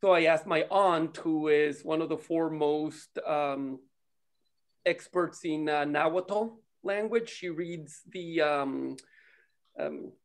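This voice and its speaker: A man's voice: fairly high pitch, slow. A man from Rica, chatting casually and telling stories in an informal, sweary way. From Costa Rica. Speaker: participant in an online table read gathering. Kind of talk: casual chat, animated storytelling.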